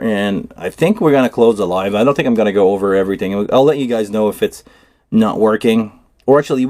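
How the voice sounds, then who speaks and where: Fairly low in pitch with a darkish tone, this man is captured in a dry recording. French is his first language and he has a Quebec accent; he hosts a casual tech livestream, chatting loosely and thinking aloud over a cable build.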